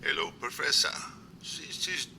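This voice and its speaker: A man playing an earnest, courteous doctor in an amateur audio drama, speaking in a formal, measured way. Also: fairly high pitch, pushed and bright, heavily acted. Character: earnest, courteous male doctor, secret Sasquatch researcher. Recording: clear background noise.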